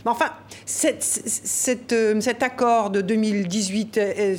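A woman's voice: fairly high pitch, steady tone, slow. A woman interviewing a guest, guiding the questions with many filler sounds.

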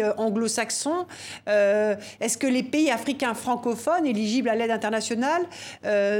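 A woman TV interviewer asking long news-interview questions full of fillers. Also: on the high side.

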